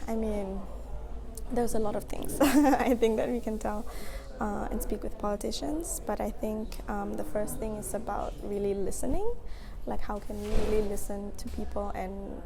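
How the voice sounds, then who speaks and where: Gravelly-voiced young woman from Singapore. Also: mid-range voice, fairly even intonation, moderate pace, a crowd in the background. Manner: thoughtful, laughs often, many ums. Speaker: interviewee. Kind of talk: casual interview answers.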